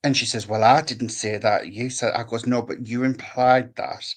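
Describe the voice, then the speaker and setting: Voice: medium pitch, steady tone, normal speed. A guest on a live stream telling a rambling story, hesitating with many ums. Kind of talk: casual live stream chat.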